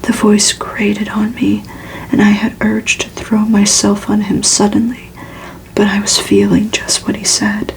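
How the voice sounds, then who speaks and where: A woman reading gothic fiction aloud in a soft, steady, unhurried ASMR whisper. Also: mid-range voice, gravelly, rough recording.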